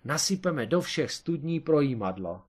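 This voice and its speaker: A man voicing an excitable, scheming amateur detective in a comic storybook reading, with an eager, explaining manner and a raised voice. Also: on the high side, husky, voice pushed up.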